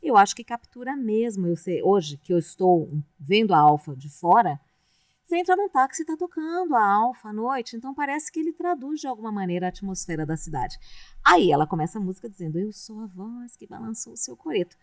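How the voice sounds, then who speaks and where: A middle-aged Brazilian woman, a radio announcer guesting on a podcast, talking in a relaxed, rambling, chatty way with restarts. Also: medium pitch, brisk, dry recording, clean studio sound. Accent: Brazilian Portuguese. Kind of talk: casual podcast interview.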